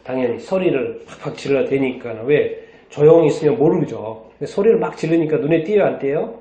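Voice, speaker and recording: A male pastor preaches in a church sanctuary, picked up from a distance in a lo-fi, echoey recording. His voice is fairly high for a man but mellow and soft in tone. He keeps asking the congregation questions and answers them himself. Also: expressive, fairly quick. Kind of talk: sermon.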